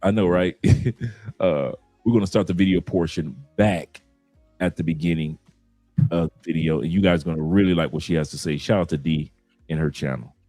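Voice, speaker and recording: Deep, mellow man hosting a livestream. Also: normal speed, no room sound, faint music behind. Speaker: livestream host. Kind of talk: casual livestream chat with shout-outs.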